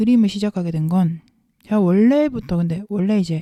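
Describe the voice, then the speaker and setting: Speaking at a very slow pace, a woman has a dark, mellow tone that is somewhat breathy, with ordinary pitch variation and a dry, close sound free of echo. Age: 30s. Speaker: cancer survivor. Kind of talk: casual talk to camera.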